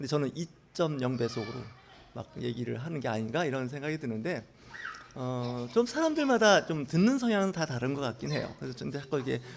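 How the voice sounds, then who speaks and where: At a fairly quick pace, a man talks in a medium-pitched voice with lively intonation. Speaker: pastor. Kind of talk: sermon. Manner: fast.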